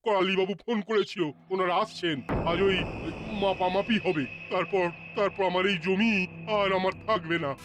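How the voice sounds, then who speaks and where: An actor playing a worried, helpless older headmaster in a children's cartoon, flustered and repeating himself with stammers. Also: male voice, high voice, steady tone, moderate pace, noisy background, close to an everyday voice. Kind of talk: animated children's cartoon acting.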